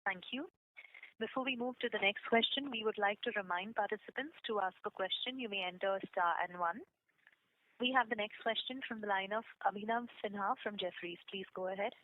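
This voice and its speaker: A woman's voice: mid-range voice, brisk. A woman working as a conference call operator, giving scripted announcements over a faint telephone line.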